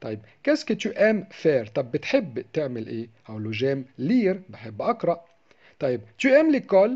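With an Egyptian accent, a man speaks at a fairly quick pace and high pitch, with very wide pitch swings and big swings in loudness. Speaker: French teacher. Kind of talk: tutorial.

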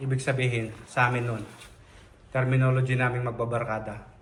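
A man at medium pitch and a fairly quick pace, with noticeable background noise and audible room echo. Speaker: vlogger. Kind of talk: casual vlog monologue.

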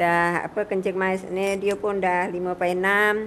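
Monotone, flat intonation runs through this speech. The woman's pitch sits at a medium level. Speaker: customer giving a product testimonial. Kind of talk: testimony.

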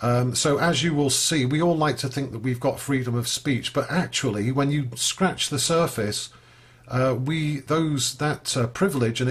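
With ordinary pitch variation, a man talks in a voice that is somewhat breathy. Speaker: university lecturer. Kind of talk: lecture. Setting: video call. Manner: fast.

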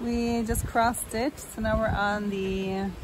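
A woman is speaking. The sound is dry with no echo, though noticeable background noise is present. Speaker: sailing vlogger. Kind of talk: casual vlog chat. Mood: relaxed, cheerful. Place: boat. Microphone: phone near.

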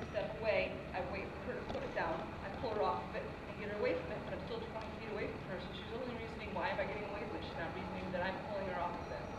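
A woman talks very fast with ordinary pitch variation. Loud background noise and audible room echo fill the recording. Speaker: presenter. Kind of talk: educational presentation. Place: hall. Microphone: camera far.

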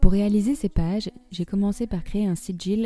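Over music in the background, a woman speaks at a fairly slow pace in a calm, gentle tone, her medium pitch showing ordinary variation. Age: 30s. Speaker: crafter and musician vlogger. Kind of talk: scripted narration.

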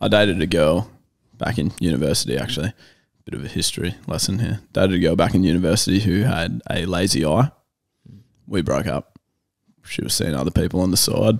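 The speaker moves at a fairly quick pace with lively intonation and vocal fry. The background is quiet. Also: man, very deep, low pitch for a man. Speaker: podcast co-host telling jokes. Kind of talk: casual joke telling. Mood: playful, laughing. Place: home room. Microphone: studio mic.

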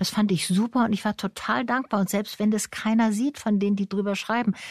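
A somewhat breathy voice at a fairly quick pace, very even in loudness, with a dry, close sound and no echo. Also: woman, fairly high pitch for a woman. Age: 70s. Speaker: actress and satirist. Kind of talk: interview answer.

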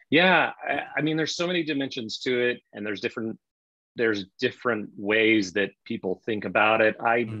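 With an American accent, a man speaks at a moderate pace with ordinary pitch variation and a bright, sharp tone, leaving long, frequent pauses. The sound is dry with no echo, over a quiet background. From US West (California/Nevada). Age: 40s. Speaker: entrepreneur. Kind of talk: casual interview. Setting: video call. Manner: halting, many fillers. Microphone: video call.

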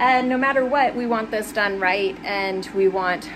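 A woman with lively intonation at a moderate pace, music in the background. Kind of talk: casual vlog chat. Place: home room. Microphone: phone near.

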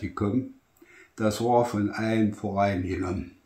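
A man speaks at a fairly slow pace with audible room echo. The background is quiet. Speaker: dialect poem reciter. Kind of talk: dialect poetry reading. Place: home room. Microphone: phone near.

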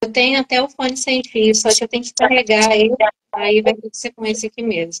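Using a plain, everyday voice, a woman talks at a fairly quick pace with a fairly high pitch and fairly even intonation. Light background noise can be heard. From Brazil, southern Minas Gerais. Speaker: book reviewer, social media creator. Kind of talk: casual chat. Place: home room. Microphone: earbuds.

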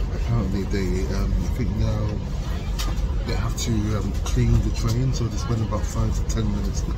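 A man's voice with music in the background. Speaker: travel vlogger. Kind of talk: casual vlog chat. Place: train. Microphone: phone near.

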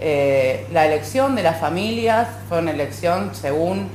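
A woman at a very slow pace, very deep and low in pitch, with light background noise and audible room echo. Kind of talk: interview answer. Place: studio. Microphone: lapel.

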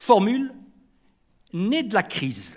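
With a quiet background, a man's voice swings very widely in pitch. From Morocco. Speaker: foundation director; speaker. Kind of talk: prepared speech. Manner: formal. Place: meeting room. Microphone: podium.

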